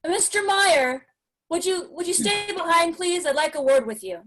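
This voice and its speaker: A woman playing an awkward high school teacher in an amateur table read, speaking haltingly and hesitantly. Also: animated, a bit bright, slight background noise.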